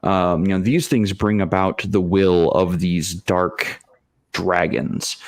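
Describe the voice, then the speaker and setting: A man's voice: low-pitched, fairly even intonation, slow pace, no room sound, studio quality. A man casually explaining tabletop game ideas in short, hesitant phrases. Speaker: panelist on a role-playing show.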